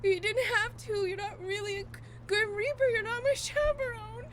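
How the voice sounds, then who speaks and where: A woman's voice: very high voice, steady tone, moderate pace, a bit bright. A woman playing a stubborn, loyal friend in an audio drama, crying and stammering with grief. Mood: guilty, anguished. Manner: stammering, sobbing, protesting.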